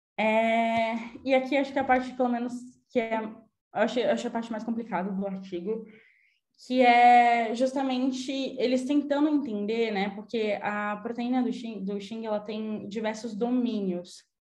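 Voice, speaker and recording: In a room with audible echo, a woman speaks at a moderate pace with a fairly high pitch and fairly even intonation. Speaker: medical and PhD student presenter. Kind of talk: journal club presentation. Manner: halting, many fillers and repetitions.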